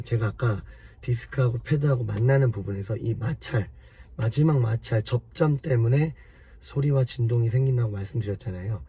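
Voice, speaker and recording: A man with a hoarse voice from a cold, patiently explaining car repair step by step to his viewers in a casual way. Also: fairly low pitch, warm tone, slight background noise. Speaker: car maintenance vlogger.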